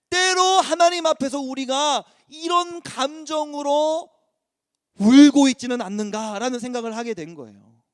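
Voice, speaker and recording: A male youth pastor preaching to high school students, telling stories in a conversational, animated way. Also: no room sound, clean studio sound.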